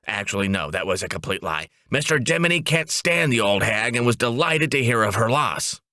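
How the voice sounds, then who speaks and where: A man voicing a brisk, wisecracking female ad agency boss in a comic audiobook, with a breezy, emphatic manner. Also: medium pitch, animated, pushed and bright, no room sound, studio quality. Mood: matter-of-fact.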